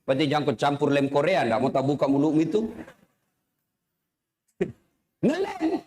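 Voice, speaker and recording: A middle-aged man preaching a humorous sermon, telling jokes and acting out characters with big swings in pitch. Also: wildly swooping pitch, moderate pace, a little mellow.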